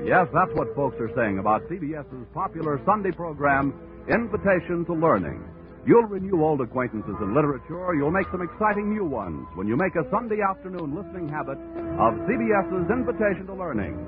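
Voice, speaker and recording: An American man reading scripted announcements in a 1940s radio announcer style. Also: fairly high pitch. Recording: narrow-band 1940s radio recording. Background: music.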